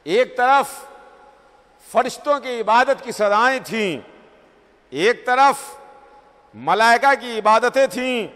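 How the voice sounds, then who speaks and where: A man's voice: extremely high pitch, lively intonation, pauses often, fairly bright tone. A male cleric delivering an oratorical Urdu majlis sermon in a mosque, with rhythmic repeated phrases. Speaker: Shia cleric giving a majlis. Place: mosque hall. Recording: long hall reverb.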